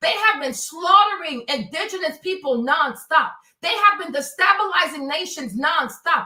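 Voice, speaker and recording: A woman's raised, projected voice, extremely high-pitched, bright and sharp in tone, with lively intonation at a moderate pace. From West Africa. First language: French. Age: 30s. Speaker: streamer. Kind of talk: livestream commentary. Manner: animated.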